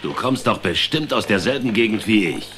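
An actor playing a suspicious, indignant animal passenger in an animated film radio play, grumbling as he talks. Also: fairly low pitch, moderate pace, soft background music.

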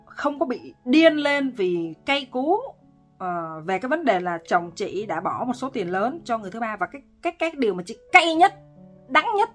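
A woman relationship counselor giving casual advice, talking with lively emphasis and frequent laughter. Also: a little high.

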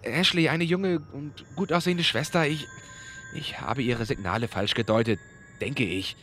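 An actor playing an anxious, desperate doctor in an audio drama, hesitant and pleading. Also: male voice, mid-range voice, normal speed, a bit bright, a little hiss or hum, natural voice. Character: anxious, desperate male doctor seeking help. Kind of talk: German audio drama acting. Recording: faint music behind the voice.

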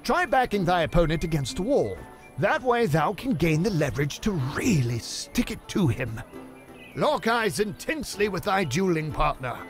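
A high, pompous medieval knight. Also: male voice, very animated, normal speed, soft background music. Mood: lecturing. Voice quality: high, theatrical voice with mock-archaic speech. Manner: grand, innuendo-laden pronouncements. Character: pompous, bawdy medieval knight, grown man. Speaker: video game voice actor. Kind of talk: video game voice line reel.

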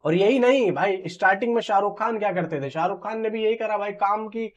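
High-voiced man, emphatic film chat. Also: fairly quick. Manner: emphatic, conversational, repeats phrases for stress. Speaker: film news vlogger. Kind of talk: informal film commentary to camera. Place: small room at home, indoors. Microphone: clip-on lapel mic. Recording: slightly dull, muffled sound.

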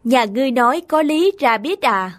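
Give me an imperious high-voiced tribal chief. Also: female voice, expressive, moderate pace. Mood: reflective. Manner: imperious, dramatic. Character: proud, hot-tempered middle-aged male tribal chief. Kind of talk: children's folk-tale cartoon dubbing. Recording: studio voice over background music.

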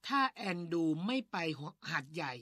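Lady co-host on a radio english show, asks the questions, bright voice. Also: on the low side, sing-song, normal speed, breathy edge, dry recording, clean studio sound. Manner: asks questions, answers with short polite acknowledgements. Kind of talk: radio lesson banter. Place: radio studio.

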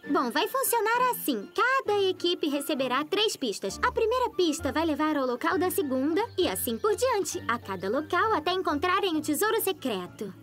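A woman's voice: extremely high pitch, sing-song, moderate pace, hardly any pauses, fairly bright tone, soft background music, full character voice. A Brazilian woman voicing a friendly, organised girl who leads her friends, with an instructive manner, in a cartoon dub. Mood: friendly, explaining. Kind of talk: animated children's cartoon dub.

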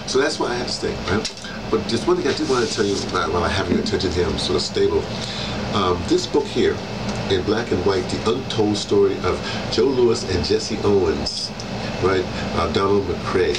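An American man in his sixties chatting casually to camera in a halting, digressive way, thinking aloud. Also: low-pitched, lively intonation. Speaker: travel vlogger. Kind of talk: casual rambling chat to camera. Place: hostel lounge, small indoor room. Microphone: camera mic on the table, a short way off. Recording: noisy air-conditioning hum, distant microphone. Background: loud air conditioning.

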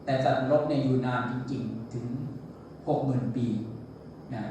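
A man's voice: fairly even intonation, normal speed, dark tone. Male monk, storytelling sermon, echoey hall, distant mic, faint hiss. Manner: storytelling, quotes figures with shifts in pitch. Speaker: Buddhist monk.

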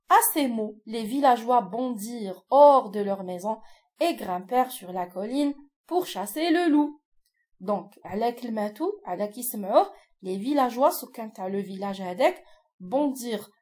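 A woman's voice: on the high side, darkish tone. Algerian woman teacher, patient step-by-step. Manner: patient, step-by-step explaining with frequent check-in questions. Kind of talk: classroom explanation lesson.

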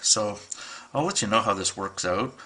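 A man's voice: fairly low pitch, lively intonation, moderate pace, sharp tone. A middle-aged man, a radio hobbyist, casually explaining gear at home on a desk camera mic, with many ums and restarts. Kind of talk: casual how-to video. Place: home radio room, at a table.

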